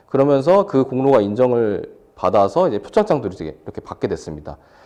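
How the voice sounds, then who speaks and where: With a dark, mellow tone, a man talks at a moderate pace while his pitch swings very widely. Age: 40s. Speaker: medical social worker and doctoral student. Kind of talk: lecture. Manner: hesitant fillers, conversational.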